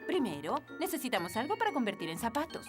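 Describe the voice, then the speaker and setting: Grumpy elderly fairy nanny, very animated. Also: female voice, fairly high pitch, quick pace. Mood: matter-of-fact. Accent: Latin American Spanish. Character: grumpy elderly female fairy nanny who does magic. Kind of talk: children's cartoon dub. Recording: music and tinkles behind.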